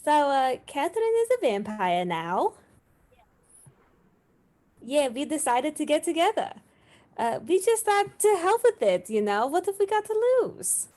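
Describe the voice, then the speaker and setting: A woman acts a polite, romantic male vampire for a comedy read. The voice sits high and swings freely, with chatty, hesitant phrasing as if talking to a documentary crew. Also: very animated, unhurried, darkish tone. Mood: fond. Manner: hesitant, chatty, mock-documentary interview delivery.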